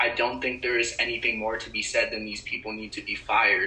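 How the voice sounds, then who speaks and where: Behind this man's speech, background noise is noticeable. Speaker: current student activist. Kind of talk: heated debate.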